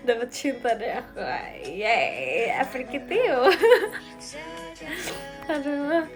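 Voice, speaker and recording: High-voiced giggly young woman chatting. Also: animated, slow pace, over music. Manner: giggly, playful, teasing, frequent laughter. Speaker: idol livestreamer. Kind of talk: casual live-stream chat reading viewer comments.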